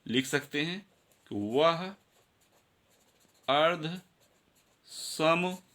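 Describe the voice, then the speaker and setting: A man's voice: fairly high pitch, drawn-out words, fairly bright tone. A male teacher giving a grammar lesson, counting syllables aloud and speaking directly to his students.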